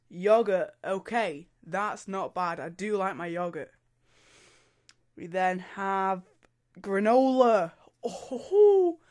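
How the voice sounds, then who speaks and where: A teenage boy with a cold-stuffed voice, chatting casually in his bedroom as he does viewer dares. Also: sits high. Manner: chatty, animated, laughs and groans at dares. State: congested from a cold. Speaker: YouTuber. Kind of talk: casual vlog. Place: small bedroom. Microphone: studio mic on arm near camera.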